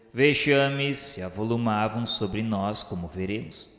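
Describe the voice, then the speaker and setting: An actor with a Brazilian accent playing a solemn male spirit narrator in a radio drama, speaking in formal, measured, declamatory literary phrases. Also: medium pitch, close to an everyday voice. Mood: grave, sorrowful. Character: solemn male spirit recounting his afterlife studies and remorse. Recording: echoey hall reverb under music. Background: background music.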